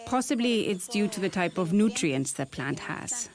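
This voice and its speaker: A woman's voice: mid-range voice, lively intonation, moderate pace. A woman giving an explanatory voice-over translation for a documentary interview.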